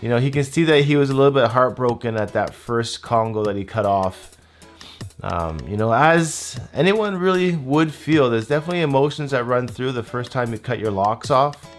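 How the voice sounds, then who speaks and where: Chill dude hosting a casual review vid, mid pitch, bit of guitar in the back. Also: male voice, expressive, moderate pace. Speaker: YouTube host. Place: small home room with desk and shelves, indoors. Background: guitar music.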